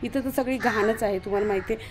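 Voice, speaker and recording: A woman vlogging casually outdoors at home while doing chores, talking straight to her viewers and calling loudly to her dog. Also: fairly high pitch, quick pace, over music. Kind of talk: casual home vlog narration. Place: outdoors at home, washing dishes in the morning.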